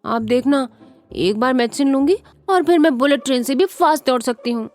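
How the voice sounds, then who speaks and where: A woman's voice: high-pitched, fairly quick, pitched above the performer's own voice, natural voice. A woman voicing a playful, childish young bride of twenty who talks in a bratty, whiny way. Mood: teasing.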